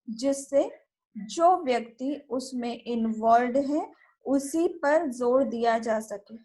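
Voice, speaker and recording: An Indian woman teaching English at a university, explaining in Hindi and mixing in English terms, and reading example sentences out slowly. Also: high voice, a little mellow. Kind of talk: recorded classroom lecture.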